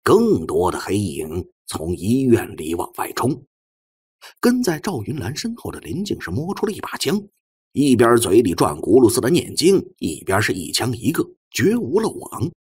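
A man's voice: medium pitch, huge pitch swings, normal speed, darkish tone, husky, dry recording, studio quality. A man reading an audiobook as a dramatic, scripted narration.

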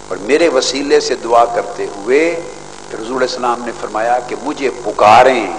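An older man, a religious scholar, giving a formal hadith lesson from a podium, measured and scholarly with emphatic rises. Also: mid-range voice. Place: large outdoor stadium stage. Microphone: podium microphones. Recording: hall echo, faint background noise.

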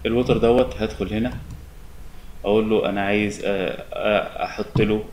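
A young man with an Egyptian Arabic accent giving a relaxed, step-by-step software tutorial at his desk. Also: lowish voice, a little fast, a little hiss or hum. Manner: relaxed, step-by-step explaining with many fillers. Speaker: software instructor. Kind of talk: screen-recorded software tutorial.

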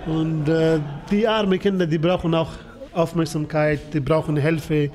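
A man in his thirties speaks earnestly in a fairly high voice, pausing often and filling gaps with hesitant sounds. He talks close to a handheld mic in a small indoor office. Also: fairly even intonation, a little mellow. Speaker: refugee TV reporter. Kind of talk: interview answers, unscripted.

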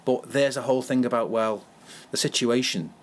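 A man's voice: medium pitch, moderate pace. A man from the Wirral with a Merseyside accent, a comedian telling anecdotes in a casual chat, laughing often and restarting his sentences. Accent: Merseyside English. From Wirral, England. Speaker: comedian guest.

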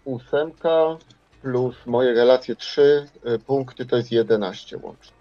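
A man's voice: medium pitch, measured pace, lo-fi sound. A man roleplaying in a tabletop game, talking hesitantly and wordily and repeating himself. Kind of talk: improvised in-character roleplay.

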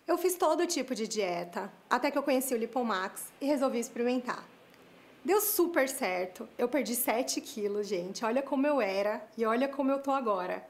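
A young woman giving a scripted testimonial at home, earnest and cheerful. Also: fairly high pitch. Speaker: product testimonial. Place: living room indoors.

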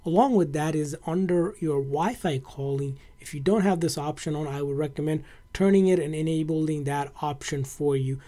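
A man's voice: fairly high pitch, normal speed, few pauses, mellow. A man narrating a casual step-by-step tutorial in a conversational, instructional way as a tech presenter.

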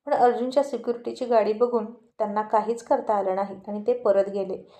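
A woman's voice: medium pitch, fairly even intonation, brisk, mellow. A woman narrating a serialized romance story, reading expressively and mixing in English phrases.

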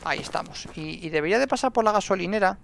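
Excitable man with a gravelly voice. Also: sits high, racing, a little hiss or hum. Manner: excitable, talks to himself and the game. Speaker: gaming YouTuber. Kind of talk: gameplay commentary.

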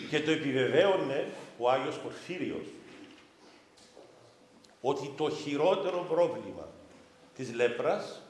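Cypriot bishop preaching in an echoey chapel. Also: male voice, fairly high pitch, a little hiss or hum. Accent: Cypriot Greek. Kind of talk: sermon. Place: chapel during a vigil service. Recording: echoey chapel reverb with faint ambience.

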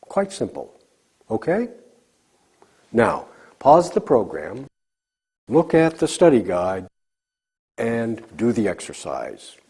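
An older man teaching an English lesson, speaking clearly and deliberately, with pauses for the learner to repeat. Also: lowish voice, wildly swooping pitch, mellow. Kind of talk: slow scripted ESL lesson with drills. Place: studio set before bookshelves.

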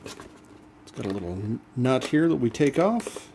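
A man hosting a do-it-yourself channel, explaining a repair step by step in a relaxed, casual way as he works at a bench. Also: medium pitch, moderate pace, gravelly, slight background noise. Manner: relaxed step-by-step explaining while working hands-on. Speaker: DIY channel host. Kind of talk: casual how-to demonstration.

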